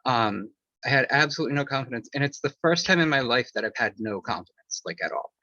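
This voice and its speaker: Guy with a bright voice rambling through an interview answer, lots of ums, dry dull-sounding recording. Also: medium pitch, animated, quick pace, no room sound. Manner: rambling, many fillers and restarts; candid, personal. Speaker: author and interview guest.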